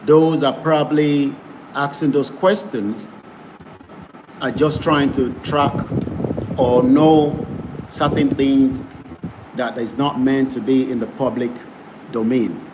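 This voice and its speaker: A man hosts an online campaign broadcast, pressing his points in an emphatic, repeating manner. His voice sits at an ordinary pitch. Clear background noise runs under the recording. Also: fairly even intonation, takes it slowly, pauses often. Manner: emphatic, repetitive campaigning delivery. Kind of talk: advocacy broadcast. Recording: noisy background.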